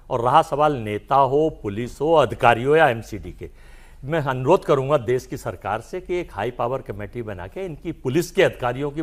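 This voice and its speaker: A man arguing as a political panelist in a heated TV debate, talking loudly and insistently over the others. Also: mid-range voice.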